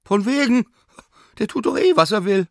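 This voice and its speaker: A shrill young housemaid from an audiobook, scolding and exasperated, her voice pushed far up into a squeaky register as a male reader puts her on. She sounds indignant, loud and close in a dry space. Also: animated, normal speed, no echo.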